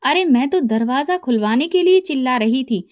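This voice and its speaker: A woman's voice: high voice, lively intonation, moderate pace. A woman voicing a frightened young sister-in-law in a story, pleading and insistent.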